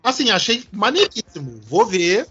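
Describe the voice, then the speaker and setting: A man hosting a casual podcast chat, animated, swearing casually and restarting his words. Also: high voice, normal speed, breathy edge, muffled recording, faint music behind. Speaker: podcast host.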